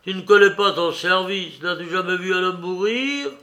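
A man voicing a brash condemned gypsy bandit with loud, boisterous, defiant outbursts in an audiobook. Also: high-pitched, moderate pace, pitched above the performer's own voice. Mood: scornful. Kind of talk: audiobook character voice.

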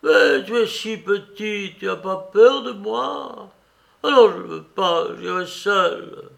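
A man voicing a brash condemned gypsy bandit with loud, boisterous, defiant outbursts in an audiobook. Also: high-pitched, expressive, slow, vocal fry, pitched above the performer's own voice, heavily acted. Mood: pleading. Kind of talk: audiobook character voice.

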